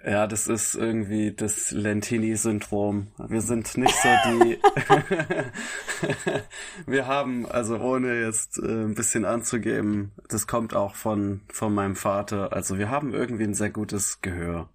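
A man who sings, with a raspy, smoky voice, talking in a relaxed interview and often correcting himself with small laughs. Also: on the low side, a little slow. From grew up bilingual German-Italian. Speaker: singer, interview guest.

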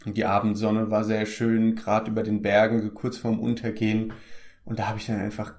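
A man's voice: fairly low pitch, monotone, a little fast, a little mellow. A young man, an actor from the Palatinate in Germany, chatting casually in an interview, easygoing and full of hesitant fillers and restarts.

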